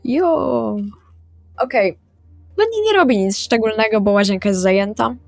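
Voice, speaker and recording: A woman talks casually as a player in a role-playing game. Her voice is somewhat high, with faint music playing behind it. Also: lively intonation, normal speed, vocal fry, dry recording. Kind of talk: casual in-character table talk. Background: background music.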